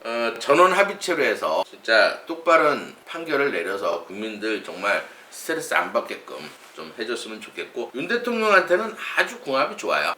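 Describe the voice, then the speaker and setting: A man's voice: on the high side, pushed and bright, recorded from a distance. A middle-aged man working as a saju fortune-teller, explaining readings in a chatty, lecturing way with many restarts. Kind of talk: casual explanatory monologue. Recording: echoey room, voice a bit off-mic.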